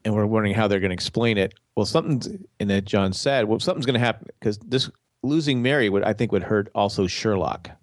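A man's voice: fairly low pitch, fast talker, no echo, studio quality. A congested man with a nasal voice, co-hosting a casual TV podcast and rambling through his theory with many restarts. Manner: rambling, restarts mid-sentence. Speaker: podcast co-host. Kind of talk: casual TV discussion.

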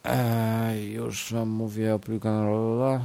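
Casting: male podcast host, low voice, nasal and congested from a cold, casual, stumbling delivery with repeats. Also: flat delivery, slow pace, creaky, mellow. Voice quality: congested, blocked-nose voice. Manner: hesitant, self-correcting, repeats words. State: sick with a stuffed nose and fever.

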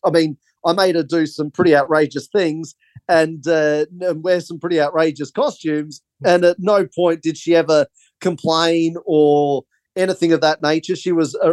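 A man's voice: fairly high pitch, darkish tone, no echo. A man, a film director, rambling through anecdotes in a casual interview and laughing often.

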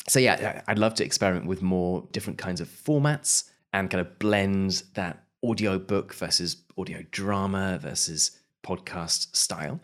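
A British man answering interview questions in a thoughtful, casual way, often restarting his sentences. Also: low-pitched. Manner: thoughtful, frequent restarts and small laughs. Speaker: podcast host and audio drama producer.

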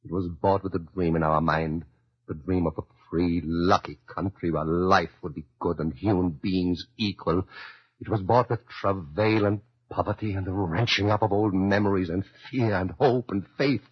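A man's voice: low-pitched, steady tone, moderate pace, breathy edge. An actor playing an immigrant American man who writes defiantly to a dictator, in the declamatory style of 1940s radio drama. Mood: resolute. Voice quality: declamatory, building to fervent cries. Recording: muffled 1940s radio broadcast with music.

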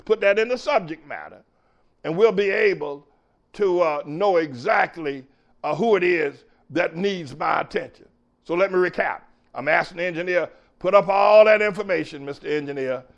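A man's voice: high voice, creaky, a bit bright, muffled recording. A man hosting his own show as a pastor, preaching emphatically, repeating phrases and calling cues to his engineer. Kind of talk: preaching talk show monologue.

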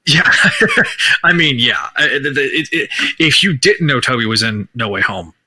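A man co-hosting a casual film discussion, talking haltingly with many restarts as he builds his point. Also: medium pitch, lively intonation, sharp tone, dry recording. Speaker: podcast co-host. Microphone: remote call setup.

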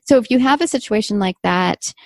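A woman with a quiet voice co-hosts a podcast and explains a tool in casual conversation. She is soft-spoken and sometimes restarts a thought mid-sentence. Her pitch sits mid-range for a woman, and the recording is dry and close. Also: lively intonation, fairly quick, no echo. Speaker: podcast co-host.

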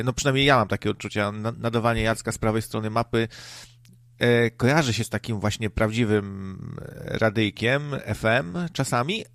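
A man's voice: medium pitch, gravelly, a bit bright, dry recording, clean studio sound. A man hosting an internet radio show, chatting casually with sarcastic asides. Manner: sarcastic, mimics pushy radio hosts. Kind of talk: casual chat.

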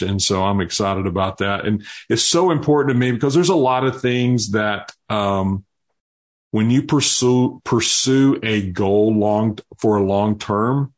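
A man in his fifties, an interview guest, telling personal stories earnestly with frequent restarts. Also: lowish voice. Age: 50s. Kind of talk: interview storytelling.

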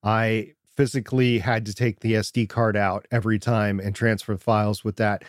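A man with a quiet voice co-hosting a podcast from his home studio, talking through gear in a measured way. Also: fairly low pitch, flat delivery, no echo. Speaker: podcast co-host. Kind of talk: casual tech chat.

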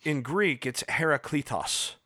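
A man explaining ideas in a casual podcast discussion, professorial and halting, with frequent restarts and fillers. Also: fairly high pitch, sharp tone, dry recording, studio quality. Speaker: podcast co-host.

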